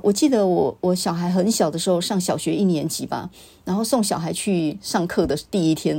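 A woman's voice: lowish voice, creaky, slightly rough. A middle-aged woman with a Taiwanese Mandarin accent hosting a podcast, telling stories and reflecting on how scolding gets passed down. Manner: storytelling, quoting her father's sharp remarks. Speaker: podcast host. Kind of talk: reflective monologue.

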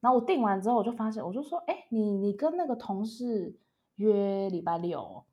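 A woman's voice: on the high side, animated, fast, a little mellow. A young woman co-hosting a casual podcast, telling a story animatedly and acting out what others said. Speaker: podcast co-host. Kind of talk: casual chat.

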